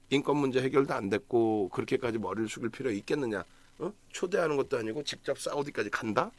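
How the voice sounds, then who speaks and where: A man's voice: on the high side, no echo. A man giving a solo stock market analysis broadcast, talking emphatically, asking himself rhetorical questions and checking in with the audience.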